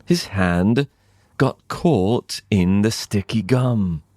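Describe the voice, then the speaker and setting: A British man narrates very slowly for English learners, in a fairly low voice. He speaks in simple, deliberate phrases with frequent pauses, and the recording is dry and close. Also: lively intonation, a little mellow, no room sound. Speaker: English teacher and storyteller. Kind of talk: slow storytelling for English learners.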